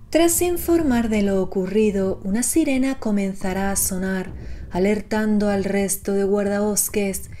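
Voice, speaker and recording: A woman's voice: mid-range voice, dark tone. A woman reading scripted narration as the narrator of an explainer video.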